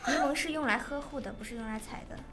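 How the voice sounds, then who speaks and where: A woman's voice: high-pitched, quick pace, a bit bright, soft background music. A young woman chatting casually on a podcast, playful and mock-earnest. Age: young adult. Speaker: podcast co-host. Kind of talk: casual chat.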